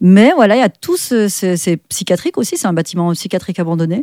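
Speaking in a Swiss accent with a dark, mellow tone, the voice moves at a moderate pace with lively intonation, captured very cleanly against a silent background in a dry, close sound with no echo. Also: woman. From Switzerland, Vaud (Lake Geneva coast). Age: 50s. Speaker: urban explorer and photographer. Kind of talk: casual interview.

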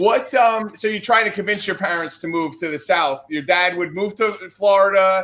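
A man's high-pitched voice with an American accent, moderate pace, ordinary pitch variation, hardly any pauses, and noticeable background noise. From New Jersey. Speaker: podcast host. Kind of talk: casual interview chat.

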